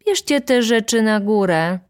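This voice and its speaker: A woman's voice: fairly high pitch, expressive, a little slow, no echo, pitched above the performer's own voice. A pompous, insolent valet, as a woman narrator puts him on, talking down to everyone in a haughty, commanding voice. He gives orders in the tone of a man who runs the house, as in a storybook reading.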